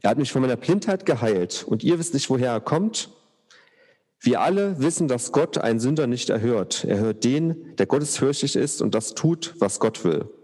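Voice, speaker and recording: A man's voice: medium pitch, expressive, moderate pace, darkish tone, slightly rough, big-room sound. A man reading aloud, voicing a formerly blind man who speaks plainly and boldly. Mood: earnest.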